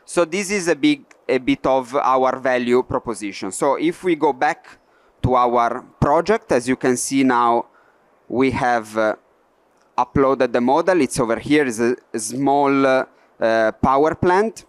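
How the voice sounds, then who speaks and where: A man with an Italian accent walks an audience through a live software demo on a trade fair stage. He speaks in a smooth, resonant voice at a middle pitch, often stopping on "uh" and reworking his sentences. The sound is dry and close. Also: measured pace, no room sound. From Italy. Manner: hesitant, many "uh" fillers, non-native phrasing. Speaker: workshop presenter. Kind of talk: live product demo presentation.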